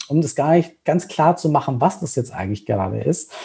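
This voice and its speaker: A man with a dark, mellow tone sounds somewhat breathy, speaking at a moderate pace with very wide pitch swings. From Bavaria, Germany. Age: 40s. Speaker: diversity consultancy CEO. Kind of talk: interview. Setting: remote call.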